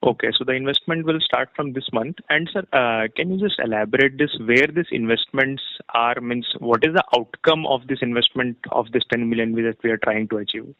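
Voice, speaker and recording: A man's voice: mid-range voice, fairly quick, few pauses, dry recording. A man, a fund analyst, asks questions on an earnings call, politely and with many fillers. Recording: dry tinny phone line.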